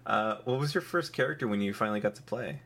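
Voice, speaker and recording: A man's voice: lowish voice, fast talker, vocal fry, fairly bright tone, a little hiss or hum. A male podcast host asking questions in a joking, teasing way. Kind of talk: casual podcast chat.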